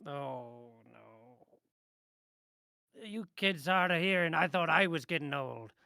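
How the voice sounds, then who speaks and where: A man voicing a gruff old fisherman in a tabletop role-play, sentimental and haunted by his lost crew, talking in salty sailor phrases. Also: fairly high pitch, lively intonation, slow, pushed and bright, dry recording, clean studio sound, heavily acted. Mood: gruff, exasperated. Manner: gruff old-sailor talk with matey and aye.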